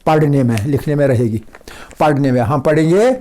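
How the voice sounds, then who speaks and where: A man teaching a class on Quran recitation, patiently repeating example words slowly and checking that students follow. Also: on the high side, mellow, a little hiss or hum. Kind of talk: classroom lesson.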